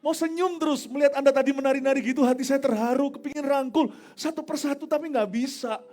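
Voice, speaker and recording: High-voiced animated preaching man. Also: fast talker. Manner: animated, joking storyteller with big swings in pitch and loudness. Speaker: pastor. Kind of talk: sermon. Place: large evening crusade, outdoors or big venue.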